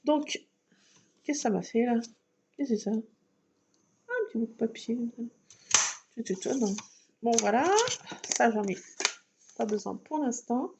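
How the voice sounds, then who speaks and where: A woman's voice: a little high, lively intonation, a little slow, gravelly, pauses often, background noise. A woman chatting casually to viewers while doing scrapbook crafts, talking to herself as she works. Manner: chatty, talks to herself while working, fillers like voilà. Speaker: scrapbooking vlogger.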